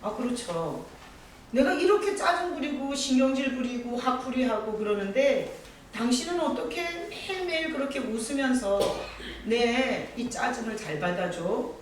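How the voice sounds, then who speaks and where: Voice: mid-range voice, lively intonation, normal speed, heavy reverb, far from the mic, a little hiss or hum, natural voice, rough recording. A pastor voicing a stressed businessman husband who asks his wife why she keeps smiling. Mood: complaining. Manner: complaining, questioning.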